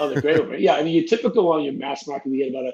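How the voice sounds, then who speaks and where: Speaking at a very fast pace, a man with a Boston accent uses a fairly high pitch and ordinary pitch variation. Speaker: realtor teaching marketing.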